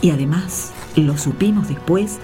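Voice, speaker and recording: Very low female voice, solemn deliberate radio play narration, daughter recalling grim memories, acted by a woman, soft music. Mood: solemn, vivid. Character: caravan leader's grown child recounting grim memories. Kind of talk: dramatic first-person narration in a radio play.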